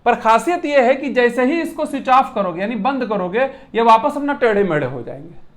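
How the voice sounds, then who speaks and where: Physics lecturer, lively and repetitive, teases the class with analogies and quick check-in questions. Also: medium pitch. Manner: animated, repeats points with rhetorical questions and playful classroom analogies; mixes English technical terms into Hindi speech. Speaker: physics teacher.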